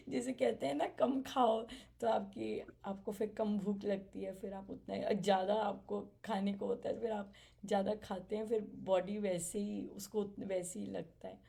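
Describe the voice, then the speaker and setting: A woman softly sharing her spiritual learnings at a family gathering, reflective and halting. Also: mid-range voice, steady tone, vocal fry. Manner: soft-spoken, reflective, halting with fillers and light laughs. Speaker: satsang participant sharing experience.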